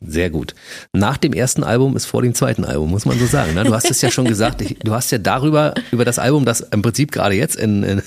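Gravelly, animated male radio host. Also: mid-range voice, fast talker. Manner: chatty, lively, with tag questions. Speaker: radio talk show host. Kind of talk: casual radio interview. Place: radio studio.

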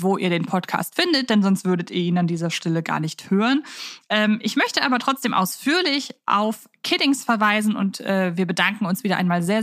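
A woman's voice: mid-range voice, fairly bright tone, no room sound, clean studio sound. A woman co-hosting a podcast in a chatty, wordy way, repeating words for emphasis. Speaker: podcast co-host. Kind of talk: chatty fan podcast moderation.

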